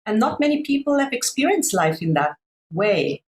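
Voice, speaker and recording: A woman's voice: fairly high pitch, sing-song, normal speed. A middle-aged woman from Sri Lanka, a coach talking thoughtfully about personal experience on a video call. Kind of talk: reflective conversation.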